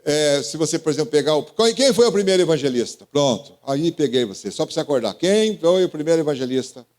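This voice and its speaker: With a slightly high, darkish voice and lively intonation, this Brazilian man speaks quickly as he leads an interactive sermon. He singles out congregation members by name, questioning and teasing them, in a Brazilian Portuguese accent.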